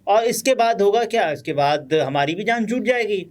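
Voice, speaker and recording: A man with a Pakistani Urdu accent giving conversational political news commentary, pausing often with fillers. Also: sits high, expressive, a little mellow. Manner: conversational, many pauses and fillers.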